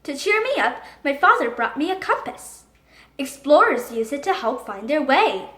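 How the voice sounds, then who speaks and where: A woman reading a children's book aloud in an expressive, dramatic storytelling manner. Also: high voice, normal speed. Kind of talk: animated storybook narration. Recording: echoey room.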